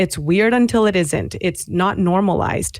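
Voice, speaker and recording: In a very clean recording with a silent background, a woman with a Spanish accent speaks at a moderate pace in a fairly low pitch with ordinary pitch variation. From Mexico, Guadalajara. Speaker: recovery advocate, former podcast host. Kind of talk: podcast interview.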